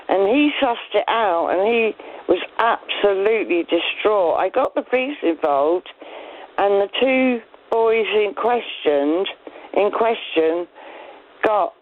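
Caller: woman in her 50s, on a thin landline phone line, earnest and halting. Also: mid-range voice. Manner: earnest, halting, repeats herself. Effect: over a landline phone. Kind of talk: phone-in chat. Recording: narrow tinny phone line.

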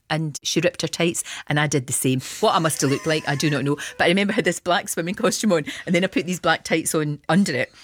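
Chatty low-voiced Glasgow woman. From Scotland. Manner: chatty, animated storyteller with Scottish words like wee. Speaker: guest. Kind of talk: casual radio interview chat.

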